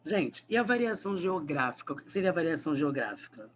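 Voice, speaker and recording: A man's voice: on the high side, sing-song, quick pace, slight background noise. A man from Rio de Janeiro with a Carioca accent, a Portuguese teacher giving a chatty, teasing grammar lesson online. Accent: Carioca Brazilian Portuguese. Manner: chatty, teasing, talks straight to the students.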